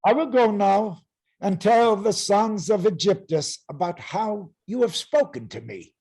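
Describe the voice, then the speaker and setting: An actor playing an arrogant, menacing herald in a Greek tragedy reading, threatening and declamatory in a rasping voice. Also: male voice, high-pitched, animated, measured pace, a little mellow, full character voice. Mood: cold threat. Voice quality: gravelly, rasping. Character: menacing, arrogant herald claiming women as property. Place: online video-call reading.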